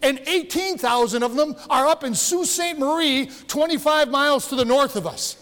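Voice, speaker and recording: A high-voiced older man preaching in a church, his words trailing off in a long hall reverb. He is a pastor in his sixties, folksy and joking, often stumbling and restarting his sentences. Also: moderate pace, fairly bright tone. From Michigan. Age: 60s. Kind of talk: sermon. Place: church sanctuary.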